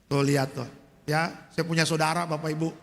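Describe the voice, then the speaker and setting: A male pastor preaching a lively, humorous sermon to a congregation, acting out voices as he tells stories. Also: fairly high pitch, fairly quick, in a large hall.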